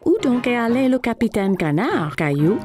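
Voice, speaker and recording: A woman voicing a patient, encouraging mother figure in a children's cartoon, gentle and coaxing with a singsong delivery. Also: fairly high pitch, big pitch swings, normal speed, music in the background. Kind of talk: children's cartoon dub acting.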